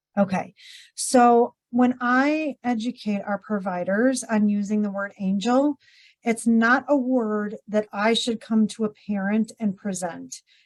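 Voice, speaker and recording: Somewhat breathy woman's voice at a fairly high pitch, fairly slow pace and fairly even intonation, with a dry, close sound and no echo. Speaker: grief support facilitator and webinar presenter. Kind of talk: webinar presentation and Q&A. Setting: video call webinar.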